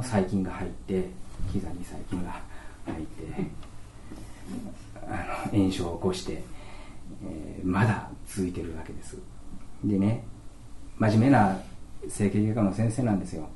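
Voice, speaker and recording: A man's voice: sits low, moderate pace, long pauses, warm tone, slight background noise. A man in his fifties with a Kansai accent, a kindergarten principal telling anecdotes in a chatty way. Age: 50s. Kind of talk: storytelling speech. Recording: roomy, distant mic, faint ambience.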